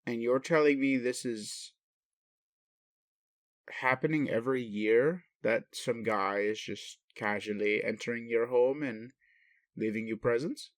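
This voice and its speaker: A man playing a gentle, puzzled alien daddy in an intimate roleplay audio, indulgent and bemused, with questioning hesitations. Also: medium pitch, a little slow, no echo, close to an everyday voice. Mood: baffled. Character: gentle, puzzled alien daddy, adult male spaceship commander. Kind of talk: intimate roleplay audio, speaking to one listener.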